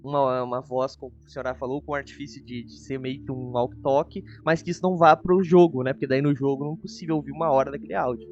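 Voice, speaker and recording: A man's voice: mid-range voice, fairly even intonation, quick pace, few pauses, muffled recording. A Brazilian man hosting a casual review chat, talking in an informal, chatty way. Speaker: host. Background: faint background music.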